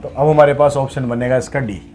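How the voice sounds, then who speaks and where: A man's voice: medium pitch, steady tone, brisk, darkish tone, slight background noise. A man teaching a maths lesson, working through problems step by step and asking and answering his own questions. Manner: explains steps aloud, asks and answers his own questions.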